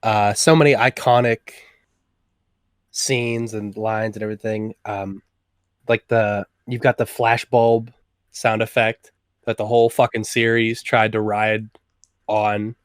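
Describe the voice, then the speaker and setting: Man, young adult, low voice, dry close sound, rambling eager talk. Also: level tone, slow, no room sound. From West Virginia. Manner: rambling, enthusiastic, trails off. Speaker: guest, slasher fan. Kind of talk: casual podcast chat.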